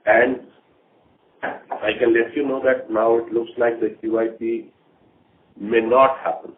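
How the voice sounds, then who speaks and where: A man speaking as a company executive briefing investors on an earnings call, talking deliberately in short, halting phrases. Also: medium pitch, little pitch movement. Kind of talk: earnings call management commentary. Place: conference call. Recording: tinny phone line with faint noise.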